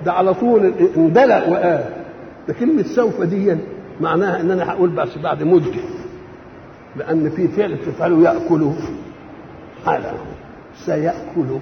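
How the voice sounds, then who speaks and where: A man with an Egyptian accent explaining scripture in a religious lesson, often asking himself questions and answering them. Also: high-pitched. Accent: Egyptian Arabic. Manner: keeps asking and answering his own rhetorical questions; gravelly, lively and quick-spoken. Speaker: Quran commentator. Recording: echoey hall, dull lo-fi, faint hiss.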